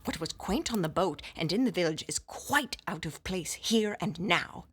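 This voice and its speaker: An actress narrating and playing a stern, learned woman classicist, with measured, formal, often hushed storytelling. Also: lowish voice, lively intonation, husky. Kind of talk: audio drama narration.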